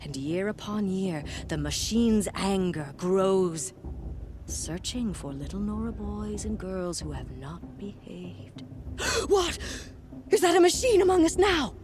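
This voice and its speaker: An actress playing an old tribal storyteller in a video game, solemn and dramatic, with hushed asides as she tells a legend to children. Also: medium pitch, big pitch swings, background noise. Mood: reverent, warning, then mock alarm. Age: older. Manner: slow, measured, dramatic delivery with hushed asides. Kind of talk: theatrical storytelling.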